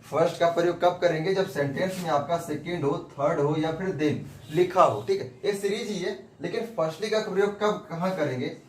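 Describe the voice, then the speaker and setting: A man's voice: on the high side, a little fast, few pauses. A man giving a whiteboard grammar lesson who keeps asking questions and answering them himself, repeating points. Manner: repetitive, asks and answers his own questions. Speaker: English grammar teacher. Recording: echoey room with faint background noise.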